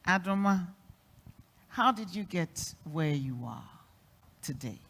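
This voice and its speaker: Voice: medium pitch, lively intonation, slow, fairly bright tone, slightly rough. A minister moderating a forum panel, chatty and affirming as they thank and introduce speakers. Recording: echoey hall.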